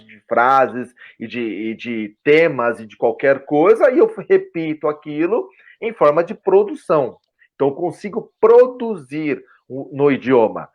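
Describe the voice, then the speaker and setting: A middle-aged man with a Brazilian Portuguese accent, interviewed as a guest, explaining in an animated way and acting out example phrases. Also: fairly high pitch. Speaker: guest, language school CEO. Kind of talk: conversational interview.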